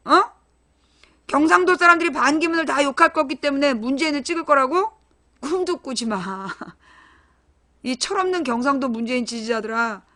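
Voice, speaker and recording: A high-voiced woman with a sharp tone hosts a live-streamed political talk show, pressing her points bluntly and informally. She speaks straight to her chat viewers, asking them questions and demanding answers with emphatic, direct delivery.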